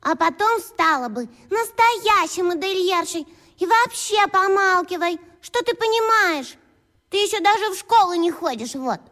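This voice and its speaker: A woman's voice: extremely high pitch, lively intonation, a little slow, a bit bright, long reverb tail, heavily acted. A woman voicing a bossy, know-it-all schoolgirl who talks down to her little brother in an audiobook. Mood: lecturing. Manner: scornful, lecturing. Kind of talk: audiobook dialogue.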